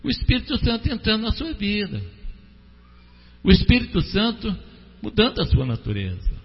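A man preaching a sermon, with an animated delivery that swings between loud exhortation and soft prayer, calling on listeners by name. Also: sits high, normal speed, breathy edge. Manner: addresses listeners by name, asks them to respond. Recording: dull, lo-fi, echoey hall recording with hum.

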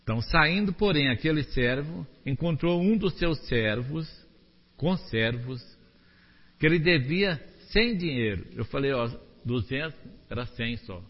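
A man preaching a sermon, animated, asking the congregation rhetorical questions. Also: medium pitch, a little slow, breathy edge, big-room sound, lo-fi sound.

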